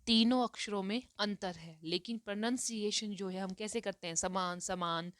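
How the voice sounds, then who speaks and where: A woman teacher gives a lecture, working through each point step by step and stopping to ask rhetorical questions. Her voice sits at an ordinary middle pitch. The recording is close and dry, with no room sound. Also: moderate pace, no echo. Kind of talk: Hindi lecture mixed with English terms.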